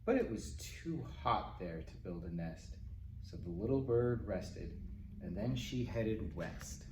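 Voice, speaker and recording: A man reading a picture book aloud to young children in a gentle, simple manner, with little asides to them as a storytime reader. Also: on the low side, expressive, measured pace. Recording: roomy, distant mic with faint noise.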